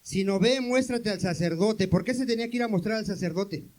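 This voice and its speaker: High-voiced preaching man. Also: a little fast, a little mellow, rough recording. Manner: questions the congregation and answers himself; calls for amens from the congregation. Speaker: pastor. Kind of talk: sermon.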